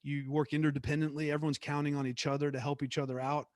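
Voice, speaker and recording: A middle-aged man, a guest speaker, telling stories from his career in a relaxed, reflective way with frequent restarts. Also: on the high side, fast, dry recording, studio quality. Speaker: guest speaker, former theme park executive. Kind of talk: conversational class talk.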